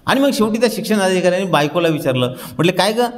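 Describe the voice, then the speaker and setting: A man's voice: high-pitched, sing-song, rapid-fire. A man giving a humorous public lecture, telling anecdotes and dropping his voice to mimic the people in them. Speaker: guest speaker. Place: library hall.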